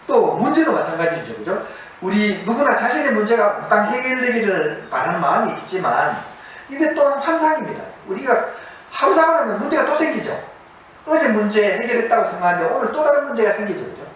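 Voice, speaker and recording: A man's voice: high-pitched, animated, a little fast, a bit bright. A man preaching a sermon from a monastery to an audience, asking them questions and repeating key words for emphasis. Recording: very echoey, distant mic, faint noise.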